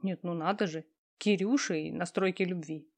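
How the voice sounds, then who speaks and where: A woman voicing a pushy, talkative young female friend who teases and lectures loudly. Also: lowish voice, steady tone, normal speed. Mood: bossy. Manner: loud, teasing, talkative.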